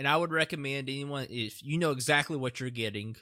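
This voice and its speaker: The man's bright, sharp tone shows ordinary pitch variation in a very clean recording with a silent background and a dry, close sound with no echo. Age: 20s. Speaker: gaming podcast host. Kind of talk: casual solo commentary.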